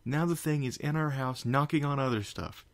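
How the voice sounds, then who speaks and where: Guy doing a jumpy little dragon kid, yelly and high, gravelly. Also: moderate pace, natural voice. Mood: agitated. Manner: agitated, yelling. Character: excitable young male baby dragon.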